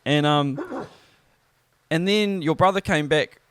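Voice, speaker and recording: Higher-pitched New Zealand man, joking podcast banter. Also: slow pace, clear, resonant tone, dry recording. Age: 30s. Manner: sweary, joking, laid-back. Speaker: podcast host. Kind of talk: casual banter and storytelling.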